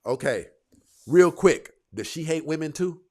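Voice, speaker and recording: A man hosting a live call-in debate show, confrontational, firing rapid leading questions at his guests. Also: on the high side, lively intonation, darkish tone. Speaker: host.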